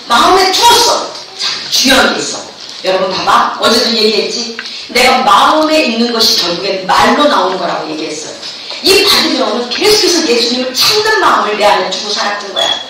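A high-voiced middle-aged woman pastor preaches with fervor and calls on her listeners to repeat her words. She sounds far from the mic, in a hall full of echo, with steady background noise underneath. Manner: fervent call-and-response preaching, has the listeners repeat after her. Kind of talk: sermon to students at a camp. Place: large echoey hall.

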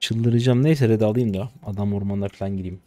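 A man in his twenties commenting live on his own gameplay, exasperated, swinging between low mutters and loud outbursts at his teammates. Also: steady tone, fast talker, dry recording, soft background music. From Turkey. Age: 20s. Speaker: game streamer.

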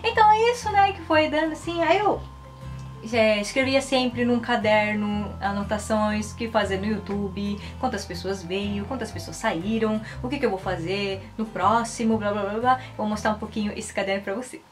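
A Japanese woman in her 20s, a YouTuber and Japanese teacher, chats to the camera casually and animatedly, rambling as she goes. Her voice is medium-pitched at a moderate pace, recorded in a small indoor room with background music.

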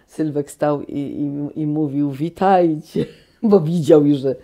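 Low-pitched woman guest in her sixties, mellow voice, lively anecdotes, lapel mic in a small room. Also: measured pace. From Poland. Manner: animated storytelling with many restarts. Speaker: guest actress. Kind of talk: relaxed reminiscing conversation. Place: small cozy room, indoors.

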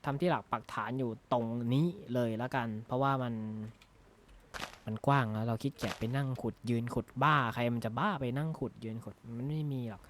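A gaming YouTuber with a mid-range voice talks fairly quickly as he provides casual Minecraft let's-play commentary. Rambling and jokey, he thinks aloud with frequent "na ha" tags, recorded on a close desk microphone at his gaming desk.

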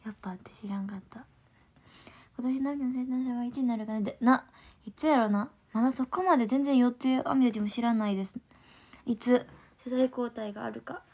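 A woman with a Kansai accent chatting casually on a livestream, reading viewer comments, laughing often and slipping into soft whispers. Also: fairly high pitch, fairly quick. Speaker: idol group trainee hosting a livestream.

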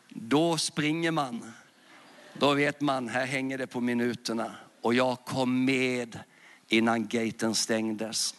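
A man's voice: medium pitch, a bit bright. A man preaching in a large church, telling a story with fervour and calling the congregation to raise their hands. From Sweden. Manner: fervent, storytelling, calls to the audience. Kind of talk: sermon with altar call.

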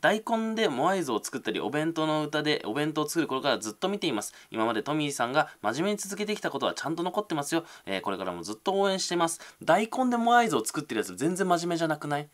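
A man's voice: fairly high pitch, big pitch swings, very fast, few pauses. A young man, reading viewer comments aloud on a casual livestream and answering them with self-deprecating, mumbled asides.

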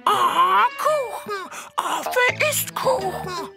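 A performer voicing a small, excitable magical pet with babyish broken phrases in a German cartoon dub. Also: very high voice, extremely slow, gravelly, over loud music, full character voice. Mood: eager.

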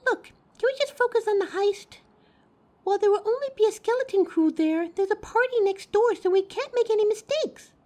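A woman's voice: very high-pitched, expressive, brisk, a little mellow. A woman playing a wisecracking thief with a playful, teasing way of talking in an audio drama. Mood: focused. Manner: playful banter. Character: teasing, wisecracking female thief planning a heist.

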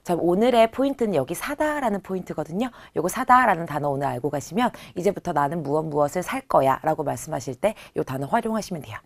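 A woman in her thirties teaching a beginner Chinese lesson, who stretches out model words slowly and says them louder for practice. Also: fairly low pitch, animated. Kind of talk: online language lesson.

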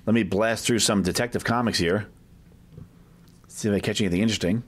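Filming with a handheld camera, a video host and comic collector chats his way through a packed medium-sized shop, often adding questions to his comments in an off-the-cuff way. He speaks fairly quickly, in a fairly low, slightly rough voice.

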